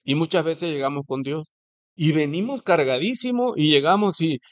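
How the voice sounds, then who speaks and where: A man's voice: a little high, normal speed. A man with a Mexican Spanish accent preaching a sermon in a church, talking conversationally and posing rhetorical questions to the congregation.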